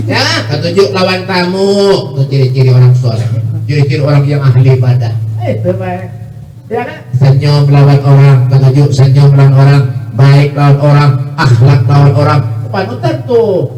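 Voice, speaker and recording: Male preacher, Banjar accent, playful sermon, keeps checking in with the crowd; roomy, distant sound. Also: on the high side. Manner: jokes often and keeps asking the crowd "ya kan?". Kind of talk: humorous sermon. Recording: echoey hall, mic far off.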